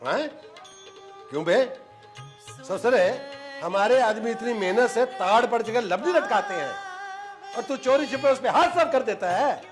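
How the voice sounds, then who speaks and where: A man's voice: extremely high pitch, expressive, unhurried, pauses often, over music. A man playing a haughty, exploitative village landlord in a rural drama, with bossy, coarse rustic speech. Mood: indignant. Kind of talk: Hindi rural period drama acting.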